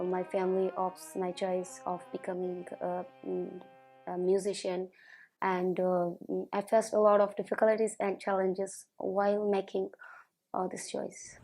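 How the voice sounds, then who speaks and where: A young woman in her early twenties speaks in a mellow, even tone that hardly rises or falls. She pauses often with fillers as she tells her story. Soft music plays faintly underneath. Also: mid-range voice. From Afghanistan. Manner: halting, many filler pauses. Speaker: singer. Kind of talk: personal testimony interview.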